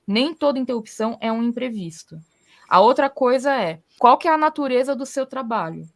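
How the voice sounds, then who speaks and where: Brazilian woman host, fairly high voice, chatty explainer leaning on everyday examples. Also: expressive, brisk. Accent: Brazilian Portuguese. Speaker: podcast host. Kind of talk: casual conversational advice.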